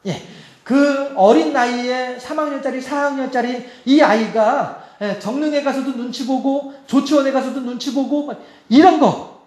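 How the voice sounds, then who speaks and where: A man preaching a sermon as pastor, in a chatty way, laughing often and asking the congregation rhetorical questions. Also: very high voice. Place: church sanctuary. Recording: echoey church hall.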